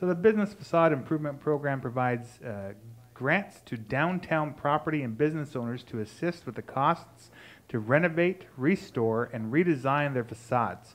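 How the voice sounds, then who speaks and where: A man with a Canadian accent, a normal speaking voice at a fairly high pitch, lively intonation and a moderate pace, on a very clean recording with a silent background. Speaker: local online news show host. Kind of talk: casual chat reading local news.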